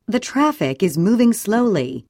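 A woman reading short English sentences slowly and clearly for a listening and repetition drill. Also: mid-range voice, no echo, clean studio sound. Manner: clear, even, deliberate reading. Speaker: English audio reader.

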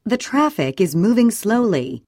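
A woman reads short English sentences for a language drill, each one clear and deliberate. Her intonation moves lively up and down. The sound is dry and close, with no room behind her. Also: mid-range voice, no echo. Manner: clear, even, deliberate reading. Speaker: English audio reader. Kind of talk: slow scripted English sentence reading for drills.

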